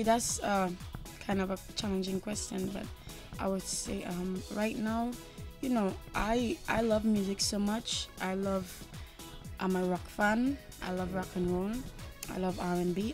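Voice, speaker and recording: A woman's voice: medium pitch, moderate pace, faint music behind. Young Caribbean woman singer, confident. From Trinidad and Tobago. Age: young adult. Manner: confident, animated, frequent "you know". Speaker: singer interviewed. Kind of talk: interview answers.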